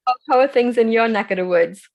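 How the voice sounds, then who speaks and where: A woman, co-hosting a podcast in a calm, measured casual chat. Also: a little high, lo-fi sound. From Trinidad and Tobago. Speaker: podcast co-host.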